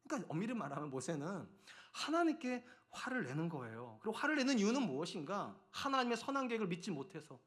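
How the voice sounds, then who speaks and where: A male pastor delivers a Sunday sermon in a fairly high voice that rises and falls with lively swings. He keeps asking his listeners rhetorical questions and slows down to read scripture aloud. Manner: reads scripture aloud slowly. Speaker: senior pastor.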